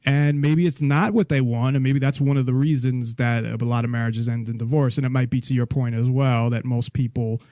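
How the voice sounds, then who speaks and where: A man's voice: medium pitch, level tone, fairly quick, few pauses, no room sound. Rambling male podcast host, dry sound. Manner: rambling, with many restarts and soft laughs. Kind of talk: casual interview chat.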